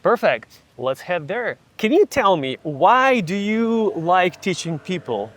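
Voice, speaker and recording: A man from Ukraine, chatting casually and explaining things slowly while he walks outdoors, laughing often. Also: high-pitched, very animated, fairly bright tone, no echo. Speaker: vlogger and English tutor. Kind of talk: casual chat while walking. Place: outdoors in a city street.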